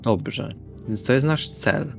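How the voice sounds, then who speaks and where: A man's voice: mid-range voice, slow, creaky. Man with organising, somewhat formal roleplay talk. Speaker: tabletop roleplaying player. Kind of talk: in-character roleplay discussion. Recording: music bed under the voice. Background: background music.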